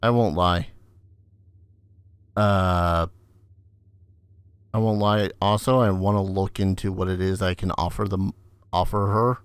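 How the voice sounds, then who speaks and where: A man's voice: on the low side, clear, resonant tone, no echo. A man giving casual let's play commentary, musing aloud in a dry, mildly irreverent way. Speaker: gaming video host.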